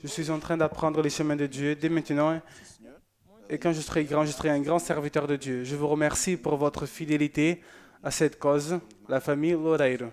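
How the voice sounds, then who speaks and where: A man's voice: on the high side, flat delivery, normal speed, a little mellow. A man presenting a church show, chatting casually and joking as he reads out viewer messages.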